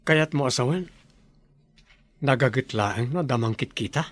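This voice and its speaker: A man's voice: mid-range voice, measured pace, close to an everyday voice. A man voicing an easygoing young man who works far from home, in a radio drama.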